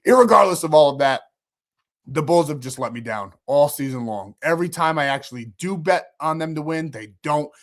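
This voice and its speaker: A man's voice: on the high side, lively intonation, a little fast. A man hosting a sports betting channel, talking through his picks in a rambling, confident way while sick and losing his voice. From New York. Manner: rambling, confident, self-correcting. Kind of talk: casual betting picks talk.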